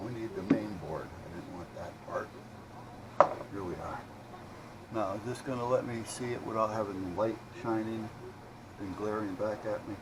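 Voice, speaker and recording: A man's voice: fairly low pitch, background noise. A middle-aged or older man rambling casually and thinking aloud as he films an unscripted repair video. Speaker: electronics repair hobbyist showing his work.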